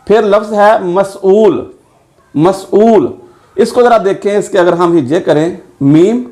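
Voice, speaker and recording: A man teaching a grammar lesson, spelling words out letter by letter and repeating each example slowly. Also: sits high, a little mellow.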